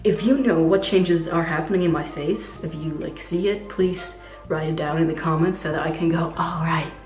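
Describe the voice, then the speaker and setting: A young trans man talking in a casual video diary, hesitant and full of fillers, with a fragile voice that sometimes skips between low and high. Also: fairly even intonation, normal speed, darkish tone, reverberant, soft background music. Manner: hesitant, many "like" fillers, nervous laughs. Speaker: vlogger.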